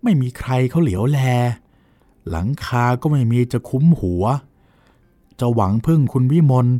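A man's voice: medium pitch, measured pace, dry recording, soft background music, lightly acted. A man voicing a polite, dutiful young nephew, recounting events deferentially in a dramatized novel reading. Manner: deferential, recounting events with lively acted quotes. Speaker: reader voicing a character.

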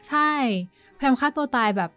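Over soft background music, a podcast co-host chats casually, recounting a story hesitantly and sprinkling in English words. She speaks a little fast, with a sharp tone.

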